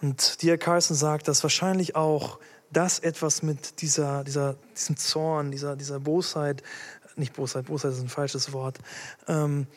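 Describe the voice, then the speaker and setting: A man's voice: on the high side, little pitch movement, measured pace, big-room sound. A man preaching a sermon with emphasis, putting direct questions to his listeners.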